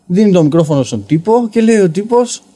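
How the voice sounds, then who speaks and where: A young man telling a story casually on a podcast as a guest comedian, rambling and filling pauses with "you know". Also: high voice, animated, mellow. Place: basement podcast studio.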